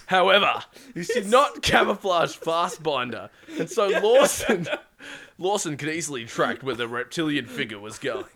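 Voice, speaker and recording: A man's voice: fairly high pitch, very animated, normal speed, fairly bright tone. A man hosting a show and reading out a comic sci-fi story, often breaking into laughter. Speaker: storyteller and host.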